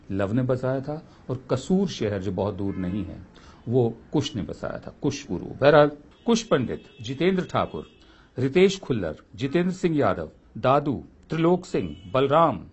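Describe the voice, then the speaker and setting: A man's voice: medium pitch, a little mellow, slightly rough. A man giving a spoken commentary, impassioned and full of rhetorical questions.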